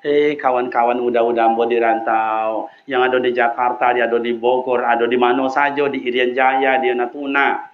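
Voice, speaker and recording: A man preaching a sermon in a mosque with a Minangkabau accent, swinging between loud high calls and low quiet asides. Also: narrow, tinny audio.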